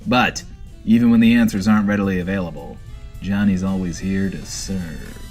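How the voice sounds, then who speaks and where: A man's voice: deep voice, fairly even intonation, moderate pace, a little mellow, faint music behind, lightly acted. A man playing a flirty, self-admiring host of a post-apocalyptic radio show, theatrical and rambling, in a comedic audio drama.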